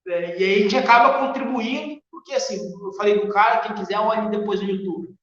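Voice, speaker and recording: A man's voice: high-pitched, fairly quick, fairly bright tone. A Brazilian man speaking as an interview guest in a podcast political discussion, earnest, opinionated and emphatic. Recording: very echoey, reverberant room, dull muffled sound.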